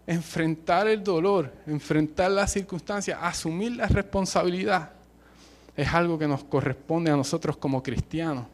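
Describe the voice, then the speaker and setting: Emphatic Puerto Rican preacher, high voice. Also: male voice. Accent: Puerto Rican Spanish. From Puerto Rico. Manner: passionate, emphatic, uses colloquial slang and humor. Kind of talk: sermon.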